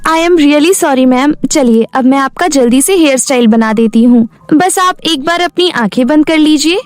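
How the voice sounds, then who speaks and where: A polite young hairstylist in a cartoon tale, voiced by a woman, speaks in a coaxing, very high voice. The recording is dry with soft music. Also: normal speed, dry recording, close to an everyday voice. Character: apologetic, persuasive disguised young female hairstylist. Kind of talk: cartoon story dialogue.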